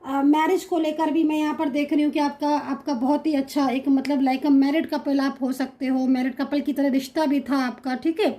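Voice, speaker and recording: A woman with an Indian accent giving a general tarot reading to her viewers, mixing English words into Hindi, with many pauses and reassuring asides. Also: high-pitched, level tone, warm tone. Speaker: tarot card reader.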